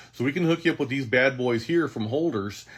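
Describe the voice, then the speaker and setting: An animated, somewhat breathy man of medium pitch with an American accent and lively intonation. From Wisconsin. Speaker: diesel repair shop owner. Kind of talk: casual tutorial. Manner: fast.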